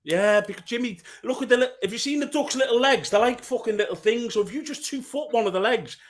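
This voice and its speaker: A man's voice: very high-pitched, quick pace. A middle-aged man with an English accent, a podcast co-host bantering casually and bluntly with lots of swearing.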